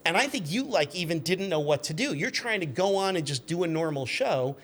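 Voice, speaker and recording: Higher-voiced man in his fifties, chatty storyteller. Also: sing-song, brisk. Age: 50s. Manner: chatty, acts out quoted shouts. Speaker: podcast guest, magazine editor. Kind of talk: animated anecdote storytelling.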